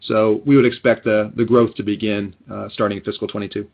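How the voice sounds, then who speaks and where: A man speaking as a company executive, giving measured, businesslike answers on a muffled conference line. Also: lowish voice, level tone, gravelly. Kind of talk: unscripted answers on an earnings call.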